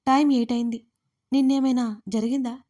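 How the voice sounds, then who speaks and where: A woman's voice: on the high side, fairly even intonation, fairly quick, dark tone, natural voice. A woman voicing a playful young woman who teases her sister-in-law in an audio story. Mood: teasing. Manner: teasing, mock-dramatic.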